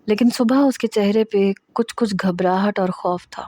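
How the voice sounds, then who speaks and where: A woman's voice: mid-range voice, warm tone, no echo. Woman storyteller with a dry close voice. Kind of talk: first-person story narration.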